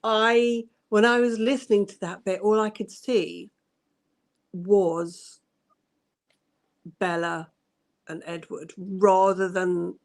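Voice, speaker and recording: A woman's voice: medium pitch, steady tone, slow, pauses often. A woman guest in a casual book chat over a video call, hesitant and thoughtful, with many ums.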